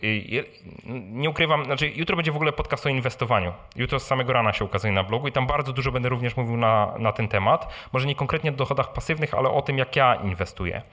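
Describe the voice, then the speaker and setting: A blogger hosting an informal live Q&A answers audience questions at an event with microphones, explaining things conversationally and frequently adding short tag questions. He speaks quickly in a mid-range voice with a bright, forceful tone.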